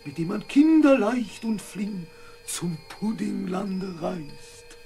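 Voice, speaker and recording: A man's voice: sits high, lively intonation, vocal fry, music in the background, full character voice. A man playing a magical talking pudding in a children's radio play, chanting rhymes in a sing-song manner. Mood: inviting, enchanting. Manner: slow, sing-song rhyming delivery.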